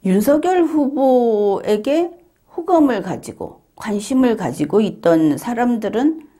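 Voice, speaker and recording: A woman commentator giving a solo monologue. She talks in a measured, explanatory way with frequent hesitation fillers and retells an interview exchange step by step. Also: mid-range voice, dark tone, slightly rough. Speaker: legal and political commentator.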